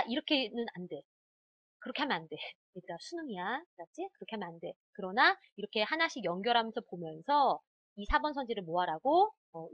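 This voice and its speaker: A woman teacher leads an exam-prep lesson, speaking straight to her students and firing quick questions at them. Her voice sits fairly high and swings widely in pitch. The sound is dry and close, with no room echo. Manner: animated, talks straight to students, quick quizzing asides. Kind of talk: online exam-prep lecture.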